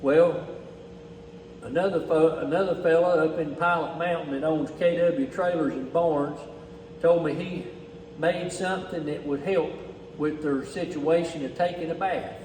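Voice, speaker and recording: A man with a Southern US accent and a slightly high voice speaks in a plain, folksy manner. His delivery is casual and unscripted, as if explaining things to viewers. The recording is strongly echoey, with faint noise behind him. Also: fairly even intonation, a little slow, a little mellow. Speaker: relief effort organizer presenting donations. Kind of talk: casual unscripted talk to camera. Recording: echoey, distant mic, faint background noise.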